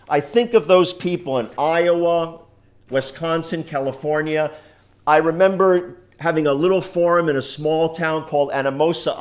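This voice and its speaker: New guy with a big loud voice, giving a rally-style keynote in a university lecture room, no mic, upbeat and fired up. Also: on the high side. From New York. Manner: fervent, optimistic rally speaking. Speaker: keynote speaker. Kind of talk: political speech. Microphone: unamplified voice picked up from the room.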